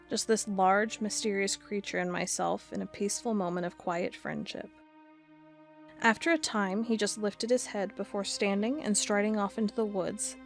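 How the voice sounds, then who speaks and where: A woman acts out a stubborn, driven investigator of strange creatures. She speaks with dramatic, expressive intensity at an average pitch, as in an audio drama. Soft music sits behind her voice. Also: lightly acted. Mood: tender, reflective. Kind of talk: audio drama narration and dialogue.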